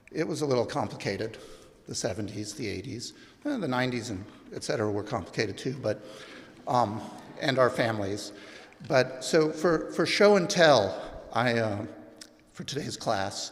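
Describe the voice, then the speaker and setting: Amid audible room echo, a man of medium pitch talks at a moderate pace with lively intonation and long, frequent pauses. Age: 60s. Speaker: poet reading at a memorial. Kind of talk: memorial reading and remarks. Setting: church with audience. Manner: halting, many fillers.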